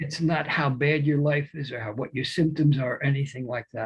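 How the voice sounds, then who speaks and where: This man's voice sits fairly high in pitch, sounds somewhat breathy and shows ordinary pitch variation. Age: 80s+. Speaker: psychiatrist. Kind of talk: interview.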